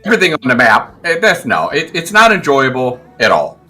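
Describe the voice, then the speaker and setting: A man's voice: mid-range voice, huge pitch swings, fairly quick, bright, forceful tone. A man from Chicago with a Chicago accent, chatting bluntly and profanely about an online game as a guest on a stream. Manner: blunt, profane, laughs easily. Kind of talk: casual gaming chat.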